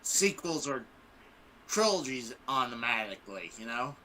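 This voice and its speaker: Very forceful, sharp-voiced man in discussion. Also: mid-range voice, sing-song, measured pace, slight background noise. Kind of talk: casual panel discussion.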